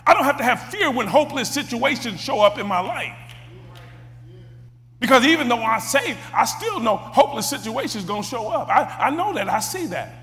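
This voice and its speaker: A man preaching a sermon, who stumbles over and repeats words and builds up to shouted exclamations. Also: very high-pitched, big pitch swings, normal speed, in a large hall, faint music behind.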